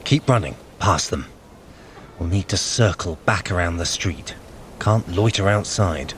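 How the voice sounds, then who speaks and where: An actor playing a sardonic, haughty male trickster god in an audio drama, smug and quick-witted. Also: low-pitched, slight background noise. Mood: scheming. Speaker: Loki.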